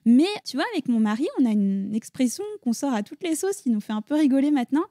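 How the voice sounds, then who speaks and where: A woman's voice: a little high, animated, fast, dark tone, no room sound, studio quality. A woman in her thirties from France, a clinical psychologist, talking chattily with many fillers as an interview guest in her office. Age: 30s. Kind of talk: casual conversational interview.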